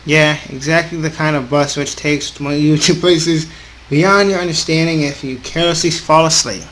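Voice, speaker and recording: A man hosting a gaming video, reading a visual novel aloud in an informal, halting way with casual off-script asides. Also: a little high, fairly even intonation, fairly bright tone, low-quality recording. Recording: clearly audible background noise.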